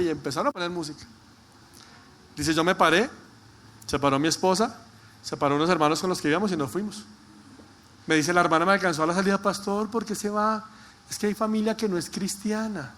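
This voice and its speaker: High, bright-voiced male pastor preaching. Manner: preaches with emphatic repetition, slowing for scripture. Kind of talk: sermon.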